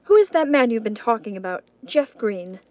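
A woman's voice: fairly high pitch, big pitch swings, normal speed, darkish tone, no echo, dull audio. A woman playing an inquisitive society sweetheart who frets over her hero, in a 1930s-style radio drama. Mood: concerned, pleading.

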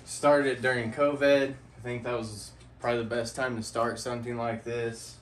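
A man's voice: medium pitch, little pitch movement, moderate pace, recorded from a distance, a little hiss or hum. A man hosting a casual vlog, folksy and heartfelt, laughing often as he talks. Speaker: channel host.

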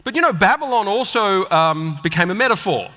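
A man preaching a sermon to a live audience with an emphatic, deliberate delivery and rhetorical pauses, in a large hall. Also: high voice, lively intonation, bright, forceful tone. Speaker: preacher and guest speaker at a church conference. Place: large indoor auditorium, speaking on stage. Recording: echoey large hall with long reverb.

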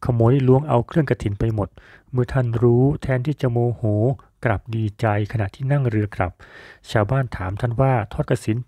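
A man tells an old folk tale in a calm, measured storytelling voice. His tone is mellow and relaxed. The recording is dry and close. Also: medium pitch, dry recording. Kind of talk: storytelling narration.

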